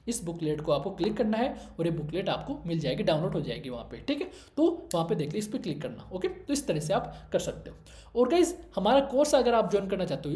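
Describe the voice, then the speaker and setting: A male medical exam tutor gives a screen-share revision lecture in a mellow, low-brightness voice. He is emphatic, repeats every key instruction and checks in with listeners often. The room leaves a clear echo around his words.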